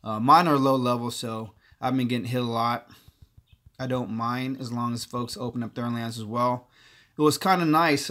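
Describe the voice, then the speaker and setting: A man's voice: mid-range voice, fairly bright tone. A man hosting a gaming livestream, chatting casually and thinking aloud, with many filler words. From partly Korean heritage. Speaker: livestream host.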